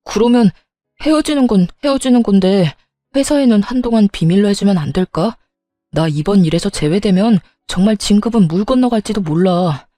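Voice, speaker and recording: A woman's voice: medium pitch, a little fast, warm tone, no echo, clean studio sound, faint music behind, lightly acted. A woman voicing a pleading young husband who begs in a desperate, whiny way. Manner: begging, whiny.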